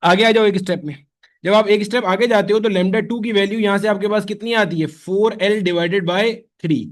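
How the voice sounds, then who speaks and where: A man leads a physics lesson in a high, bright-toned voice. He talks to the class casually, firing off questions and answering them himself. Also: steady tone, moderate pace. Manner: conversational, answers his own questions in students' voices. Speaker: physics teacher. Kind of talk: classroom lecture.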